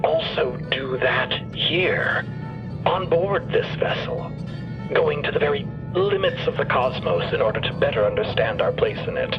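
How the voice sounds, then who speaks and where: A man's voice: medium pitch, animated, a little slow, natural voice. Guy playing an earnest thoughtful man, formal wording, swoopy intonation, dull audio with music behind. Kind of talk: audio drama dialogue.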